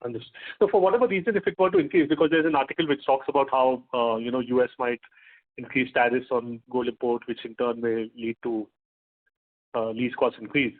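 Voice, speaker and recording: A man asking questions as an investment analyst on an earnings call, phrasing them haltingly. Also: mid-range voice, steady tone. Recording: narrow phone-like conference line.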